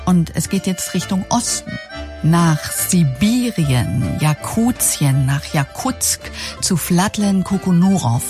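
A woman's voice: on the low side, animated, slow pace, music in the background. A woman presenting a news feature, reading scripted narration and asking questions in a conversational way.

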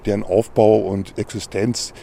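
A man's voice: on the low side, level tone, unhurried, vocal fry, dark tone, a little hiss or hum. A man, an astrophysicist, explaining his field in an interview.

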